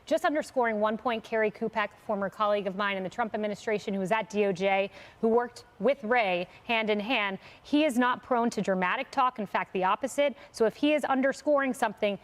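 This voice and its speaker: A woman's voice: medium pitch, a little fast. A woman guest answering a TV interview question in a firm, emphatic way. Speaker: guest commentator.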